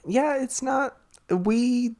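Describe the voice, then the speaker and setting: Halting, casual podcast co-host. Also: medium pitch, darkish tone. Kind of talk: casual conversational chat.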